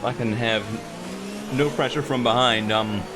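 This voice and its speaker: A man who is losing his voice, giving relaxed, self-deprecating commentary to viewers while playing a racing game. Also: medium pitch, unhurried, music in the background. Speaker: gaming YouTuber. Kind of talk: casual gameplay commentary.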